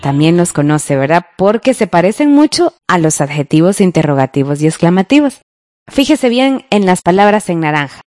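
A woman's voice: on the low side, very animated, moderate pace, darkish tone, no echo, studio quality, soft background music. A woman co-hosting a radio grammar lesson, guiding listeners through exercises in a friendly way. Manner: friendly, guiding, asks the listener to follow along. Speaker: radio teacher, co-host.

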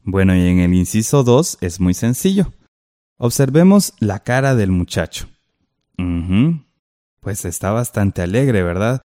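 A man's voice: fairly low pitch, mellow, no room sound, clean studio sound. A man co-teaching a textbook lesson, explaining step by step and posing questions to the listener.

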